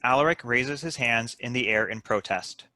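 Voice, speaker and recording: A man narrates screenplay stage directions in a bright, crisp-edged voice. The sound is dry and close, with a medium pitch. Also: normal speed, dry recording. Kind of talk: scripted narration at a table read.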